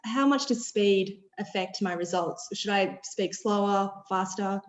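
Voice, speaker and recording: A woman's voice: medium pitch, unhurried, echoey room. A woman hosting a webinar, upbeat, reading out audience questions and wrapping up. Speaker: webinar host.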